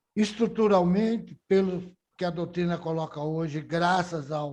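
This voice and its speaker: At a very slow pace, a man talks in a dark, mellow tone with a fairly high pitch and ordinary pitch variation. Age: 70s. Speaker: author and spiritist speaker. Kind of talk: talk to a study group.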